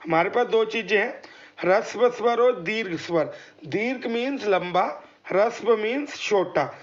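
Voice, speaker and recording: A man's voice: sits high, expressive, measured pace, highs cut off. A man teaching an exam prep lesson, explaining step by step, asking questions and answering them himself, and sounding out letters for his listeners. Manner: addresses listeners as friends and demonstrates sounds aloud.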